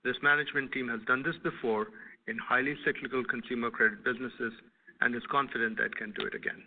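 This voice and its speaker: Gravelly-edged executive man on phone line. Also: medium pitch, steady tone. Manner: formal, deliberate. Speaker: company executive. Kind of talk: scripted earnings call remarks. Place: earnings conference call. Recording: tinny phone-line conference call audio.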